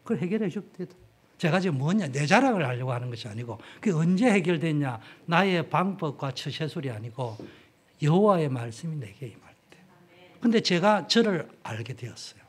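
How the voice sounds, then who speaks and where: This sermon comes from a middle-aged man who pastors in the Gyeongsang style, his Korean carrying that regional accent from South Korea. His husky, slightly high voice moves briskly with lively intonation as he talks frankly and performs his stories' dialogue with sharp jumps in volume.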